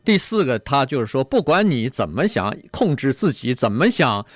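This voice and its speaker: A man co-hosting a radio talk show, calmly passing on points from an article and agreeing with his partner. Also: mid-range voice, moderate pace, no echo, studio quality. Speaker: radio co-host. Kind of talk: casual radio discussion.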